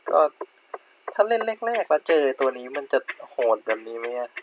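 A young man giving casual commentary on his gameplay, relaxed and thinking aloud with many fillers. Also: a little high, moderate pace, slight background noise, poor audio. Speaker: gaming YouTuber. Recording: game music playing behind.

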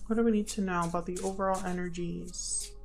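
Creaky-voiced woman giving a tarot reading. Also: on the low side, fairly even intonation, a little fast, soft background music. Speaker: tarot reader and channel host. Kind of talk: casual spoken tarot reading to viewers.

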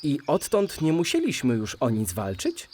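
A man playing a curious, eager young male cartoon animal in a children's audio drama, inquisitive and expressive. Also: mid-range voice, moderate pace, a little hiss or hum.

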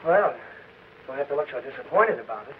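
An actor playing a cocky, argumentative young pageboy in a 1940 Hollywood film, with an American accent and brash, slangy talk. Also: male voice, mid-range voice, animated, brisk, a little hiss or hum, close to an everyday voice. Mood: indignant. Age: young adult. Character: cocky young radio studio pageboy, quick to argue. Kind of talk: 1940s Hollywood film acting. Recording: muffled old film soundtrack, faint music.

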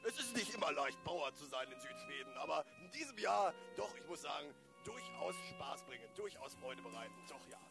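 A man's voice: a little high, very animated, normal speed, vocal fry, few pauses, over music. A man playing a good-natured, plodding farmer in a radio play, rambling and repeating himself. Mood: homely, content. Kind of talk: improvised German radio play.

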